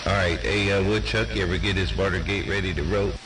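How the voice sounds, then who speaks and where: A man's voice: low-pitched, steady tone, fast talker. A man chatting casually on a CB radio, joking and rambling in an easygoing way. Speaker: CB radio operator. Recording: noisy CB radio signal.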